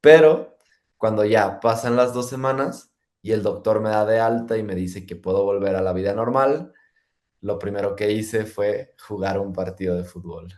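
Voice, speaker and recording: A young man giving a personal testimony, retelling events in a lively way and filling gaps with "pues". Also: fairly low pitch, moderate pace. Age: young adult. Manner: lively retelling, acts out dialogue, frequent fillers. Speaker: testimony speaker.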